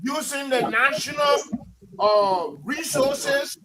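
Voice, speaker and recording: A man's voice: very high voice, slow, a loud crowd, rough recording. A man from Liberia with a Liberian English accent, a guest in a heated live radio debate who insists and repeats words to hold the floor. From Liberia, Maryland County. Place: radio studio.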